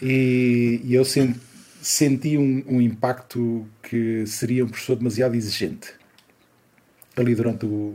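Speaking at a fairly slow pace with long, frequent pauses, a man uses a monotone, flat intonation, a medium pitch and a dark, mellow tone. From Portugal, Fermentelos near Águeda (Aveiro district). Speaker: composer and conductor. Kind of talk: interview conversation. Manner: hesitant, many fillers and repetitions.

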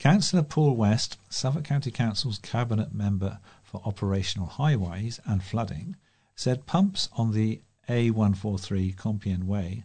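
Somewhat breathy and dark, mellow in tone, a man with a British accent speaks fairly slowly at a fairly low pitch with lively intonation, against a quiet background. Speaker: volunteer news reader. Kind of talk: news reading.

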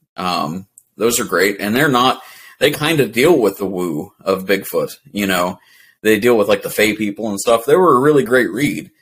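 A man's ordinary speaking voice, medium in pitch, with an American accent, lively intonation and a moderate pace, on a very clean recording with a silent background. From Ohio, US Midwest. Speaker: park naturalist. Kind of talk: casual interview.

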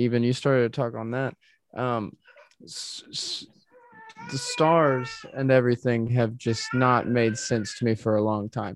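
With an American accent, a man speaks fairly slowly in a plain, everyday voice, with a medium pitch and ordinary pitch variation. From US South, Georgia. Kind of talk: casual roundtable chat. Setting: video call.

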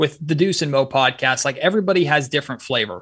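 A man with an American accent and a plain, everyday voice, fairly high-pitched, ordinary pitch variation, a fairly quick pace, on a very clean recording with a silent background. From Sacramento, California, US. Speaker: sports podcast host and TV reporter. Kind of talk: casual chat.

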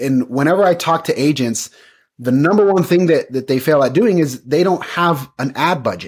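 Lively intonation and very even loudness mark an unremarkable speaking voice with an American accent, delivered at a moderate pace on a very clean recording with a silent background. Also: man. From Utah. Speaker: real estate agent and content marketer. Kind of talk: casual interview. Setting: call.

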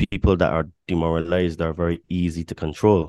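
Talking fairly quickly, a man uses a very deep, low pitch. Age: 40s. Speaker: speaker and commentator. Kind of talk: casual chat.

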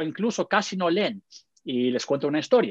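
Dry and close with no echo, a man's voice makes very wide pitch swings against a quiet background. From Spain, then Germany from age 8 to 25. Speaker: missionary and church planter. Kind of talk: interview about faith and discipleship.

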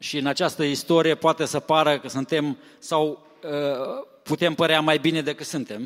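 This is a plain, everyday voice with fairly even intonation. The pace is moderate. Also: man, fairly high pitch for a man. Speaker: interpreter. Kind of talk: consecutive interpreting of a sermon. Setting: church.

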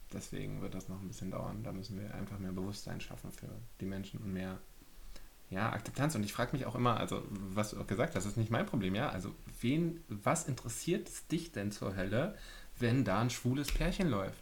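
Audible room echo surrounds a man with a fairly low voice who talks at a fairly quick pace with lively intonation. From Berlin, Germany. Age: 20s. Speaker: podcaster. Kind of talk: interview conversation.

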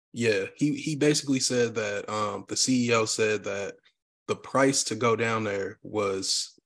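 In a plain, everyday voice, a man speaks at a moderate pace with a fairly low pitch and fairly even intonation against a quiet background. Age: 30s. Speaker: podcast guest, gamer. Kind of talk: casual chat.

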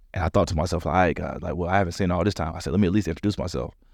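A man talks at a very deep, low pitch, captured in a very clean recording with a silent background. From Alabama (Montgomery). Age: 40s. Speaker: comedian. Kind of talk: casual chat. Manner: animated.

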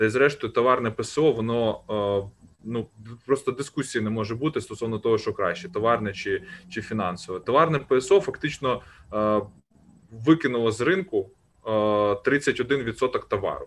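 A man has a normal speaking voice at a medium pitch. He keeps a moderate pace with ordinary pitch variation. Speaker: energy sector adviser. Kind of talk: panel discussion. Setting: video call.

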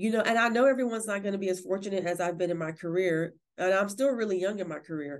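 An ordinary speaking voice with an American accent, ordinary pitch variation, and a quiet background. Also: woman. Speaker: library director. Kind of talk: casual interview.

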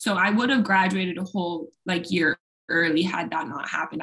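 A woman speaks at a moderate pace. Her voice is somewhat breathy, with fairly even intonation. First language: Spanish. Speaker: entrepreneur and former law student. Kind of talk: casual interview conversation.

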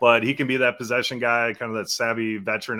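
Very fast and monotone, a man talks at a medium pitch with flat intonation. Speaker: podcast host. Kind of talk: casual chat.

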